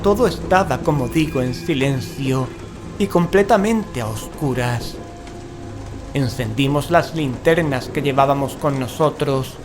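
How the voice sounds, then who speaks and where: Male actor as frightened paranormal investigator, highish voice, dramatic horror audio drama, uneasy storytelling, clear music underneath. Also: close to an everyday voice. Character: frightened male paranormal investigator recounting a haunted-house night. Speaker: narrator and character in an audio drama. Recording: music behind the voice.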